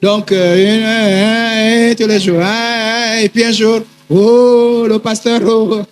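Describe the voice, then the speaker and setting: A man with a very high voice preaching a sermon, swinging between loud, excited bursts and hushed asides as he acts out both sides of a conversation. He speaks, and faint music plays behind him. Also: takes it slowly. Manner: animated storytelling, acting out dialogue, frequent fillers. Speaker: pastor. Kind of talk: sermon with acted anecdotes.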